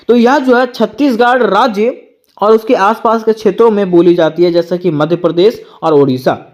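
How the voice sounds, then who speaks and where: With a medium, slightly mellow voice, a teacher works through an exam-prep lecture read from notes. Points are explained plainly, and each is repeatedly put to listeners as a question before being answered.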